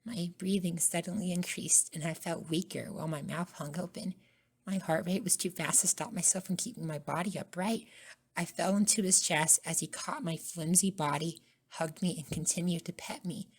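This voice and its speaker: A woman narrating a scripted first-person ASMR story in a soft-spoken way. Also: lowish voice, fairly even intonation, normal speed, husky. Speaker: narrator and voice actor.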